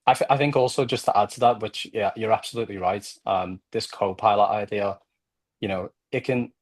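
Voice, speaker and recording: This brisk, lowish voice belongs to a man from Liverpool, England, chatting and explaining on a casual podcast. He keeps asking "right?" as he goes, and the recording is dry.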